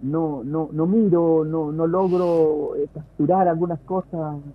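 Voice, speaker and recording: The man's fairly high voice moves along very slowly. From Chile, Santiago. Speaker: forestry researcher. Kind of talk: interview. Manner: halting, many repetitions.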